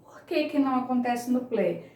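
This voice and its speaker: A woman's voice: a little high, lively intonation, moderate pace, a little mellow, roomy sound. A woman, teaching English grammar in an online lesson, patiently repeating each key point.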